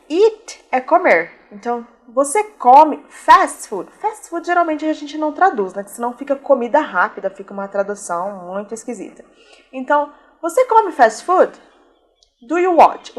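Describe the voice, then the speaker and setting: Woman from Brazil, high voice, English teacher, patient, slow model sentences. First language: Portuguese. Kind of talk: explaining a beginner English lesson.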